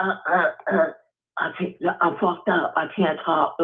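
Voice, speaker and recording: A raspy put-on character voice at middle pitch and a moderate pace. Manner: stammering, mocking.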